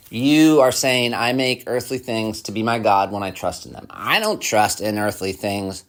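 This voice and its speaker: Conversational male preacher, low voice. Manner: conversational, asks the listener repeated questions. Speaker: pastor. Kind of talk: sermon.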